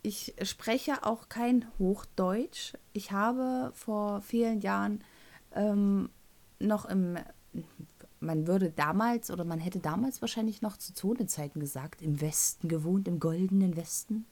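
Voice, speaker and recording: A woman's voice: medium pitch, measured pace, a little mellow. A woman in her thirties with a Thuringian German accent, hosting her own podcast in a rambling, casual way with fillers and self-corrections. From North Rhine-Westphalia, Germany. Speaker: podcast host. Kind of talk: casual solo podcast talk.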